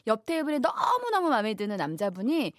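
Lively high-voiced woman co-hosting radio. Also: quick pace, no room sound, clean studio sound. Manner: drops English words into Korean speech; says she studied abroad and is more at ease in English at times. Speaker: radio co-host reading listener messages. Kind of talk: casual radio chat.

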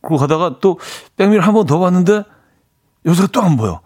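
Speaking a little fast in a high-sitting, animated voice with a darkish tone, a man hosts a chatty radio show from a studio. He laughs at his own jokes and reads listener messages, recorded on a studio mic with no echo.

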